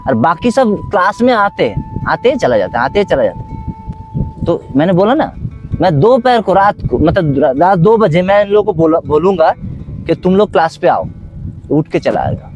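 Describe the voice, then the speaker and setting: A man's voice: sits high, sing-song, moderate pace, a little mellow, highs cut off, soft background music. A man who teaches dance, talking philosophically in an outdoor conversation and acting out little scenes in other voices. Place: outdoors under a tree.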